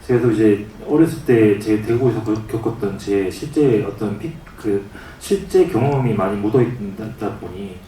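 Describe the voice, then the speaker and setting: A film director with a Daegu accent, answering at a press conference, halting and restarting often. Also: male voice, lowish voice, animated, warm tone, slight background noise. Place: cinema press conference hall. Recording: echoey hall from far off.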